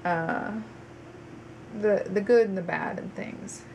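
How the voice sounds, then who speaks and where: A woman's voice: mid-range voice, slow, creaky, a little mellow, slight background noise, rough recording. A woman giving a chatty tarot reading to viewers, a bit stuffed up with a cold, with frequent ums and restarts. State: stuffy, congested. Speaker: tarot reader.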